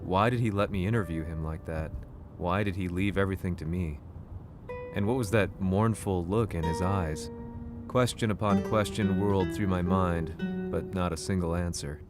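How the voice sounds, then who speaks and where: An actor playing a weary middle-aged male journalist, narrating in a measured, reflective way. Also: deep voice, music in the background, close to an everyday voice. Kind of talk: game cutscene narration.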